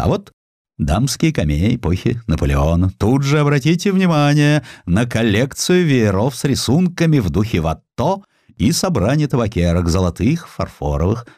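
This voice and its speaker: A man's voice: medium pitch, a little mellow, no room sound, studio quality, pitched above the performer's own voice. A man voicing a proud, easily aggrieved provincial merchant in an audio drama, with folksy, ceremonious old-fashioned speech.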